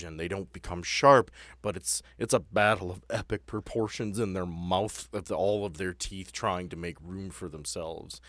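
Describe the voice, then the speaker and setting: A man's voice: sits low, a bit bright, no room sound. A man working as game master, narrating a tabletop game in a conversational, descriptive way with plenty of explanation.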